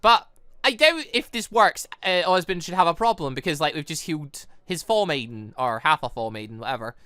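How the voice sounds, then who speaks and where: Animated British gamer, bright and rambling. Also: male voice, a little high, a little fast, smooth, no room sound. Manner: rambling, stumbles over words and corrects himself. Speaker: gaming video host. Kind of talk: casual let's-play commentary and read-aloud of a visual novel.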